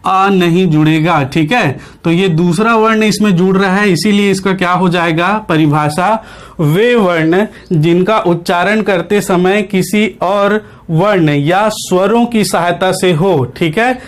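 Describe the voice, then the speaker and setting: A man teaching Hindi grammar in an online exam-prep class. He poses questions to the class, answers them himself, and keeps repeating key points with short checks. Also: high voice.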